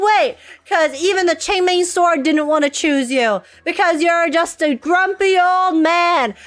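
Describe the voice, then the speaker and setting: A woman streamer giving animated, dramatic live reactions to a game, exclaiming as she goes, with game music behind her. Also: high-pitched. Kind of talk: live reaction commentary, reading game text aloud. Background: video game music.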